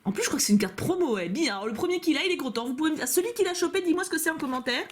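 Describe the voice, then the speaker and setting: A woman's voice: sits high, lively intonation, racing. A young woman vlogging at home, chatting playfully as she opens fan-made cards, recorded on a camcorder. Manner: gushing, playful, chatty with frequent laughs. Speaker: YouTuber opening fan mail. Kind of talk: casual unboxing chat.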